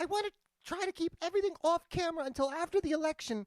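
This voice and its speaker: A put-on character voice sounds squeaky. It rattles along at a very fast pace. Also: man, extremely high pitch for a man. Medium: read story.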